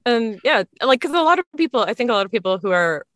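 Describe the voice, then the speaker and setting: A woman's voice: fairly high pitch, very animated, fast, a bit bright, no room sound, clean studio sound. A woman from the American South, an author guest in a casual interview, talking hesitantly with frequent restarts.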